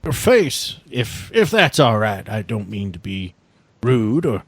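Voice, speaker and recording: A man voicing a gentle old blind country priest with courteous, folksy rural talk. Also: on the low side, sing-song, slow pace, slightly rough, no room sound, voice pushed down, heavily acted. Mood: gentle, polite.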